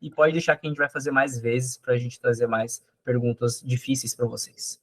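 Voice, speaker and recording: A man's voice: mid-range voice, steady tone, moderate pace, no echo. A man with a Brazilian Portuguese accent hosting a course. He speaks informally and often checks in with "tá bom?". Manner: friendly and informal, with frequent "tá bom?". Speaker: course host. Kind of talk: casual wrap-up remarks.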